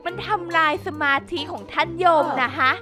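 Over background music, this gaming YouTuber talks at a moderate pace in a very high voice. Her game commentary is playful as she scolds characters with mock drama and chats with her audience.

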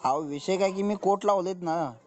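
Man in his twenties, rural western Maharashtra accent, rapid speech, soft dark tone, defensive, respectful, explaining himself over the phone. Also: high voice, no echo. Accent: rural western Maharashtra Marathi. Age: 20s. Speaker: local news reporter. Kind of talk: phone conversation. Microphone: phone call.

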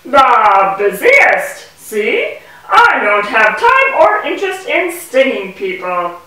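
A woman voicing a gentle, busy mother bee puppet, explaining earnestly and emphatically in sing-song rhymes for a children's show. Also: on the high side, huge pitch swings, takes it slowly, exaggerated voice. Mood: proud, explaining. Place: indoor puppet stage in a room. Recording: echoey room, distant microphone.

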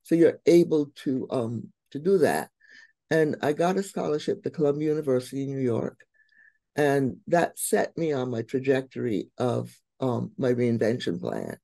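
A middle-aged woman from Barbados, a guest on a video call who tells her life story with warm, expressive emphasis. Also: very deep voice, moderate pace, vocal fry, dry recording. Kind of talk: interview storytelling.

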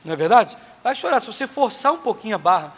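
A man's voice: high-pitched, very animated, quick pace, a bit bright, breathy edge. A man with a Brazilian accent preaching a sermon in a church, emphatic and repetitive, acting out little dialogues. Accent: Brazilian Portuguese. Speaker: pastor. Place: large church hall. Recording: long church hall reverb.

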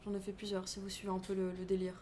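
A woman's voice: mid-range voice, monotone, racing, mellow, a little hiss or hum. A young woman streaming live from her room, chatting loosely and answering viewers with frequent laughter.

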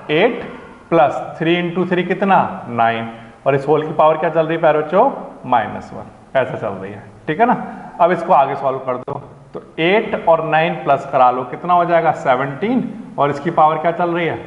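A man's voice: a little high, lively intonation, normal speed. Patient male maths teacher, echoey tinny recording. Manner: patient, repeats "ठीक है ना" to check understanding; calls students "प्यारे बच्चों" affectionately. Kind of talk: online maths lesson.

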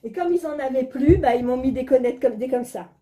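A woman vlogger showing her groceries in a casual video at home, chatty and teasing, counting items out loud. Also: sits high, fairly quick.

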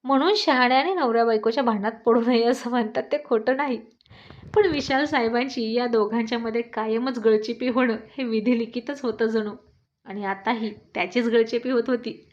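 A woman storyteller reading a love story aloud in an even storytelling manner. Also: fairly high pitch, normal speed. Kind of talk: storybook narration. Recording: dull lo-fi recording.

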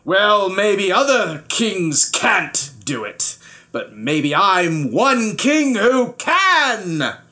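A man's voice: high-pitched, sing-song, very slow, pushed and bright, voice pushed up, full character voice. A man voicing an angry, imperious old king in a storybook, growling and bellowing as he stretches out his words.

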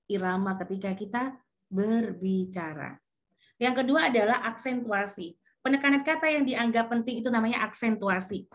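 A woman's voice: a little high, moderate pace. A woman, teaching a public speaking class over a video call and acting out her examples with changing intonation. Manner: demonstrative, shifts intonation to show examples. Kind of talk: online class lecture.

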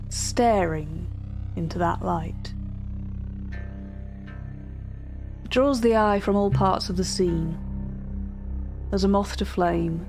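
Woman playing a meticulous, eerie curator, music behind. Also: medium pitch. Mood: entranced, hushed. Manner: formal, measured, hushed at times. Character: meticulous, eerie auction-house curator describing strange artworks. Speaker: voice actor in a fiction podcast. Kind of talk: scripted dramatic narration, dictated catalogue entries.

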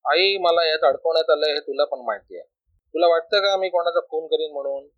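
A man reading a calm young prisoner. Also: a little high, fairly quick, dry recording, close to an everyday voice. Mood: reassuring. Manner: reassuring, earnest. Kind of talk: storybook reading. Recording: dull lo-fi recording.

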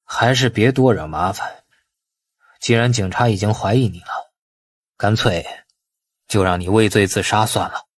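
A man voicing a cold, menacing killer with an icy, deliberate, threatening delivery in an audiobook. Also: fairly low pitch, no room sound, studio quality, pitched below the performer's own voice. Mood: cold menace. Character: cold, menacing male killer bent on revenge.

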